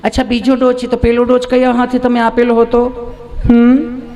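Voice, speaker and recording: Male comic doing a Gujarati-accented nurse: very high, sweetly coaxing, live stage noise behind. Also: completely flat delivery, normal speed. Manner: coaxing, asks with a questioning hum. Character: sweet-talking female nurse at a vaccine desk.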